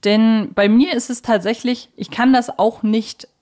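A woman hosting a casual podcast discussion, explaining her views in an analytical, deliberate way. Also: fairly high pitch, fairly even intonation, a little mellow. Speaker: podcast host.

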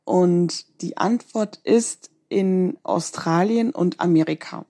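A woman's voice: fairly low pitch, slow pace, dark tone, no echo, clean studio sound. A woman in her twenties sending a quiz question as a listener in a short recorded message. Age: 20s.

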